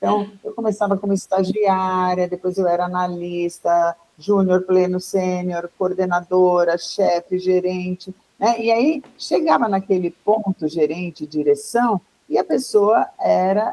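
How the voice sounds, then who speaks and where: At a fairly slow pace, a woman speaks in a dark, mellow tone with fairly even intonation. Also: medium pitch for a woman. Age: 60s. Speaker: psychologist, former headhunter, ageism specialist. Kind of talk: videocast interview.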